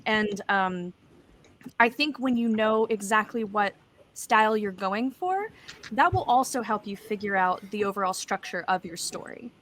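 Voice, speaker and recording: A woman's voice of average pitch. She chats informally, as a playwright would when passing on advice to fellow panelists. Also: animated, a little slow, a bit bright, slight background noise. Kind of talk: casual panel talk.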